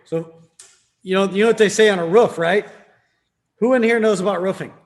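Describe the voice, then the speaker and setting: In a high voice at normal speed, a man runs a sales training session, quizzing the room and tagging his points with "right?"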